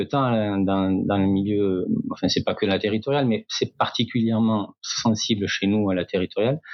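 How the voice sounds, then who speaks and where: With fairly even intonation, a man speaks at a fairly slow speed. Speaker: city IT director. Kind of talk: podcast interview. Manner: hesitant, many fillers.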